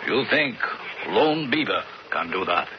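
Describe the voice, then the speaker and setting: A man's voice: mid-range voice, very animated, a little slow. An actor playing a wary, devout Native American man in a radio drama, speaking solemn, formal broken English. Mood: solemn, grave. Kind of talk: 1970s radio drama acting. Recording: muffled noisy old radio broadcast.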